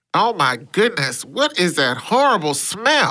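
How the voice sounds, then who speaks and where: This put-on character voice is nasal and middle-pitched, with very wide pitch swings. It moves at a fairly slow pace. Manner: disgusted.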